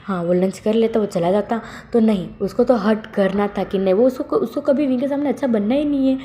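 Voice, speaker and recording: A woman's voice: fairly high pitch, fairly quick, warm tone, slight background noise. A woman casually narrating a fan fiction story, rambling with many fillers and corrections. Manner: rambling, heavy use of fillers and self-corrections.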